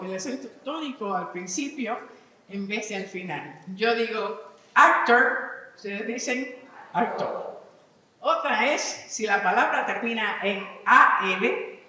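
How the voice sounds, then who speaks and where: A woman with a fairly high, bright, forceful voice teaches English vocabulary at a live conference, reading word lists and posing questions to listeners. The recording comes from a distance in a big echoing hall, with slight background noise.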